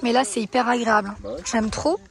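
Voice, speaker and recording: A woman's voice: fairly high pitch, fairly even intonation, a little fast, gravelly. Chatty, gushing woman vlogger. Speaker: lifestyle vlogger. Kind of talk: casual vlog chat to camera. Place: outdoors at a countryside ranch. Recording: roomy echo, faint ambient noise.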